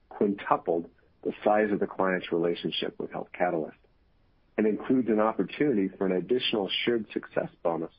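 A man's voice: fairly low pitch, breathy edge. Phone-line man reading formal corporate remarks. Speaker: company executive. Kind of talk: scripted earnings call remarks. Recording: tinny, muffled phone conference line.

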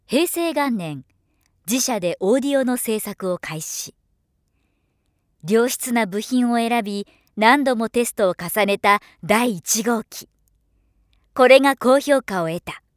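Woman, voiceover narrator, scripted read, polished, unhurried pace, dry studio-like sound. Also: on the high side, expressive, dry recording. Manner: measured, polished delivery.

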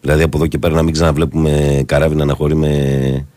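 A man's voice: very deep voice, flat delivery, dark tone, no room sound. A middle-aged man hosting a morning radio talk show, firmly pushing back at a caller. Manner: firm, lecturing, pushes back at callers. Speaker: radio host.

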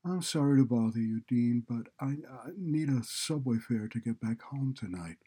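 A man's voice: mid-range voice, normal speed, a little mellow, breathy edge, pitched above the performer's own voice. A man voicing an embarrassed but defiant teenage female student in a story, speaking plainly and earnestly. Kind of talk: audiobook character dialogue.

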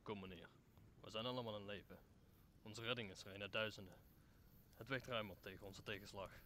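A man's voice: on the low side, steady tone, fairly quick, sharp tone, a little hiss or hum. A man playing a talkative, optimistic old counsellor who speaks formally in an audio drama. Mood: earnest, reassuring. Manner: formal, speechifying. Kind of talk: Dutch audio drama acting of Shakespeare.

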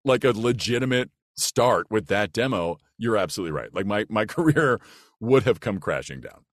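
A man with a big, low, rich voice who talks earnestly and thoughtfully as a voice actor guest in a casual podcast chat. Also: animated, moderate pace, no echo, clean studio sound. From United States. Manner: earnest and reflective, with restarts and "like".

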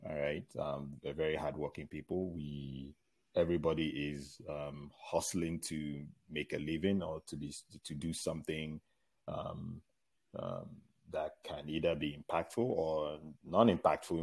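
This is a middle-aged man from Nigeria with a Nigerian accent and a very deep voice. He speaks as an interview guest, rambling through his thoughts with plenty of fillers and restarts. When he tells stories he grows more animated. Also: moderate pace, slightly rough. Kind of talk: casual interview chat.

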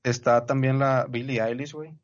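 A man's voice: mid-range voice, fairly even intonation, moderate pace, muffled recording. A man with a Mexican accent chatting casually on a podcast, laid-back and full of slang. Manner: laid-back slangy talk, peppers sentences with "güey".

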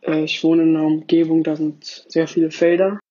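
Guy leaving a voice message, flat delivery, mellow voice, muffled lo-fi sound. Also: a little high, a little fast. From Wiesbaden, Germany. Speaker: podcast listener sending a voice message. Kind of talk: simple personal voice message. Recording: dull lo-fi voice message.

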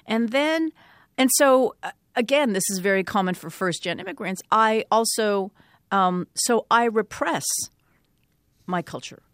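A woman's voice: medium pitch, animated, a little slow, a bit bright, no echo, clean studio sound. Candid Canadian-born woman in her fifties. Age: 50s. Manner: candid, earnest, thoughtful with frequent ums. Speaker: guest, author. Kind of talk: radio interview, reflective storytelling.

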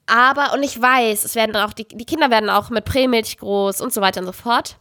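A woman's voice: a little high, fairly quick, no echo. Chatty young woman on a dry mic. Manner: chatty, animated storytelling with laughter. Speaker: podcast co-host. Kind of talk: casual chat.

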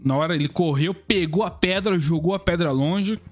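A man's voice: on the high side, moderate pace, faint music behind. A Brazilian man casually retelling a myth on a podcast, crude and joking, acting out the characters in raised voices. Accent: Brazilian Portuguese. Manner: jokey, crude, acts out the gods in raised voices. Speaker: podcast host.

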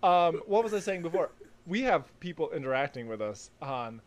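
A young adult woman with a low, sing-song voice talks at a normal pace as a podcast co-host. She keeps things casual, telling stories and laughing frequently.

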